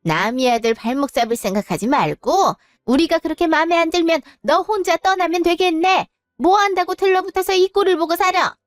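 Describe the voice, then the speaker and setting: A woman's voice: very high voice, fairly quick, hardly any pauses, no echo, studio quality, faint music behind, voice pushed up. A woman voicing a scornful, insulting middle-aged mother-in-law in an audio drama, scolding and abusive.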